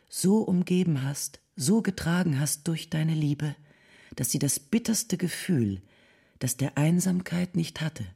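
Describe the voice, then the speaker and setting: A woman's voice: low-pitched, mellow, slightly rough, heavily acted. An actress playing a grief-stricken 19th-century mother, reading her letter to a bereaved friend in an intimate, mournful way.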